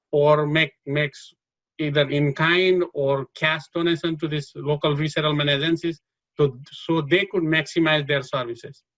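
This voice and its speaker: A man's voice: fairly high pitch, fairly bright tone, dry recording, lo-fi sound. A man with a Bhutanese accent, speaking earnestly in an interview and restarting his words often. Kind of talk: giving advice in an interview.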